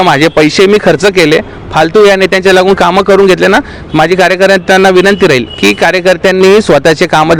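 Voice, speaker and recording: A man's voice: high voice, rough recording. A man, a local party official, making an earnest, aggrieved statement to the press and appealing to party workers.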